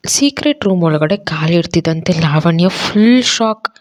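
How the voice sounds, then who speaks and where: A woman narrating a serial audio love story in a steady, conversational storytelling way. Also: on the low side, a little slow.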